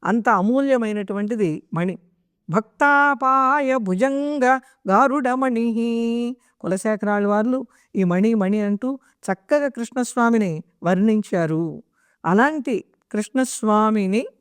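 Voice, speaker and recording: Smooth-voiced woman giving religious discourse. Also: mid-range voice, no echo, clean studio sound. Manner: unhurried, explanatory storytelling. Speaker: devotional speaker.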